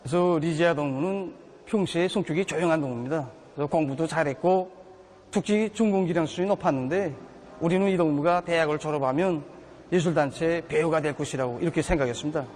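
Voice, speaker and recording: Man, North Korean accent, interviewee, somewhat high voice, semi-prepared remarks. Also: fast, darkish tone.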